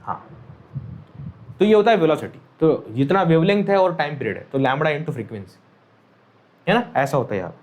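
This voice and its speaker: High-voiced male physics teacher, repetitive. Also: animated, normal speed, long pauses, darkish tone. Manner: repeats key phrases, checks understanding often; mixes Hindi with English terms. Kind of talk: classroom lecture.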